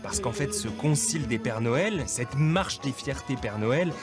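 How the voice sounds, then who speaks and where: A man's voice: medium pitch, lively intonation, measured pace. Male voice-over, wry playful documentary narration, studio mic, music bed. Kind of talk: scripted narration.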